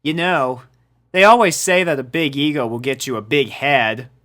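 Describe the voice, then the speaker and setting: A man's voice: medium pitch, moderate pace, bright, forceful tone, no echo, clean studio sound, natural voice. A man voicing a smug, teasing teenage girl with a matter-of-fact manner in a story reading.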